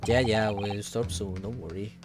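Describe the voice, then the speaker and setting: A man's voice: lowish voice, fairly even intonation, normal speed. A male streamer chatting casually and jokily during a game, swearing now and then. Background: game music.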